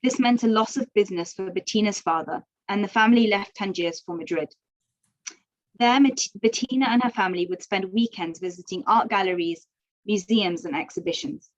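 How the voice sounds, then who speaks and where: A woman's voice: medium pitch, brisk. A woman presenting at an event, reading a biography steadily and then introducing a film with some hesitation. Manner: steady reading, hesitant when speaking freely. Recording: dull muffled sound.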